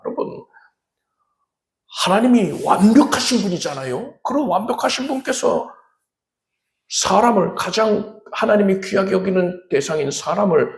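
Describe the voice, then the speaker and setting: A man preaching a Sunday sermon as pastor, dramatic, with sudden shouts and big swings in pitch. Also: gravelly. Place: church sanctuary. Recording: echoey church hall.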